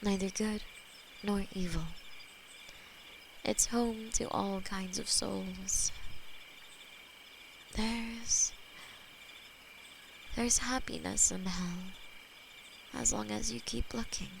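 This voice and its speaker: A woman voicing a possessive, tender female demon lover, whispering softly and haltingly in an audio roleplay. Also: mid-range voice, creaky. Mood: dreamy. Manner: soft intimate whispering, halting. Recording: steady cricket and night noise behind.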